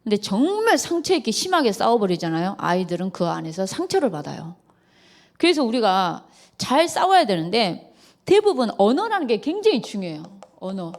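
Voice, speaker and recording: A woman's voice: mid-range voice, moderate pace. A middle-aged woman, a pastor's wife, giving a lecture at a church retreat, acting out quarrels and laughing often. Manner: lively, acts out quarrels in quoted voices, laughs often.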